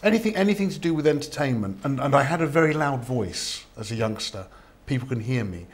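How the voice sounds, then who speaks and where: A man's voice: medium pitch, animated. A man, born in Cyprus, chatting as an actor guest in an interview and telling stories with many fillers. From born in Cyprus, raised in London. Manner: quick, chatty, with frequent filler hesitations. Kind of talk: relaxed interview storytelling.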